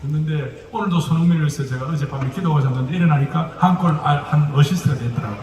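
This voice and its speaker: A man's voice: fairly high pitch, quick pace, a little mellow. A male pastor with a Gyeongsang dialect gives a lecture-style sermon, joking and putting rhetorical questions to the audience. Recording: echoey hall, distant mic, noisy.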